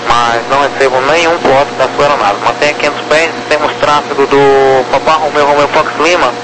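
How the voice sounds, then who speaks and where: A man's voice: mid-range voice, steady tone, brisk. A Brazilian man working as an air traffic radio operator, speaking terse, procedural phraseology over a crackly radio. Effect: crackly aviation radio. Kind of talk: clipped aviation radio phraseology. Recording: noisy crackly aviation radio with hum.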